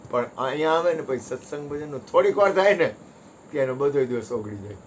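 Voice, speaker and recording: A man's voice: medium pitch, animated, quick pace, a little hiss or hum. A man giving a devotional satsang talk in a folksy, conversational way, joking with his listeners. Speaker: satsang speaker.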